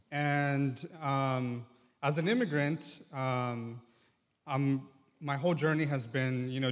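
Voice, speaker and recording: A Mexican medical student in his twenties, invited as a guest speaker, gives an earnest personal testimony in a church sanctuary. His mid-pitched voice is reflective and sincere, with many ums and pauses.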